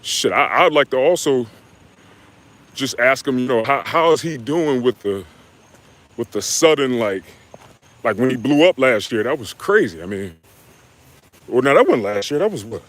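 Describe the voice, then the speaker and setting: Young man, fitness coach, live stream Q&A, easygoing slang, mid-pitched voice. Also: animated, normal speed, long pauses, a bit bright. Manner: laid-back, slangy, talks straight to viewers with "y'all" and "man". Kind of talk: live stream Q&A, reading chat comments.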